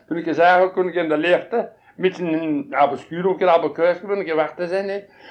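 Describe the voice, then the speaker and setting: A man with a high pitch. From Assenede, East Flanders, Belgium. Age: 50s. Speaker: retired farmer. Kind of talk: interview. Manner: halting.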